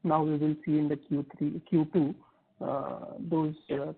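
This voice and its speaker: Gravelly higher-voiced Indian male caller. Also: little pitch movement, measured pace. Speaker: analyst caller. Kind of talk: asking questions on earnings call. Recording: thin, narrow phone line.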